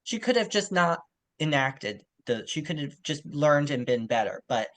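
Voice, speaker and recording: A man's voice: on the high side, very animated, normal speed, a bit bright. A man co-hosting a podcast, discussing books casually in an informal, opinionated way with wry asides. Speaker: podcast co-host.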